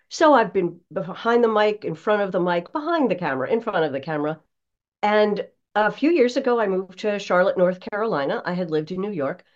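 An older American woman, a broadcast voice coach being interviewed, speaking in an emphatic, polished, conversational way with deliberate phrasing. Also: on the low side, highs cut off. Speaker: broadcast voice coach, podcast guest.

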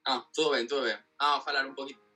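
A man in his twenties from Spain with a Spanish accent, a native Spanish speaker giving casual, halting interview answers as he searches for words. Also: mid-range voice, fairly even intonation, bright, forceful tone, breathy edge. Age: 20s. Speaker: interview guest, football fan. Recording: distant mic with faint music behind.

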